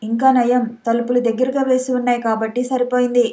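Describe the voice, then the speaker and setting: A woman reading a caring young husband, gently worried, with a soft, mellow tone and a voice that sits fairly high. he sounds soothing and attentive in a storybook reading. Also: flat delivery, fairly quick, close to an everyday voice. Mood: concerned. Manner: concerned, soothing. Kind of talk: audiobook character voice.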